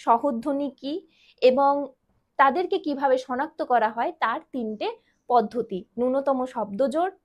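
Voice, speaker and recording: A woman with a West Bengal Bengali accent teaching an online grammar lesson to students, explaining step by step and sounding out examples. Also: high voice.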